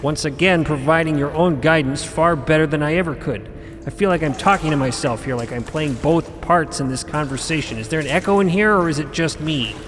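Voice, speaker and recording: A man's voice: a little high, brisk, natural voice. An actor playing a wise, exasperated male cosmic mentor in a fantasy audio drama, pontificating with dry, impatient asides. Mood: dry exasperation. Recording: long cavernous reverb under loud music.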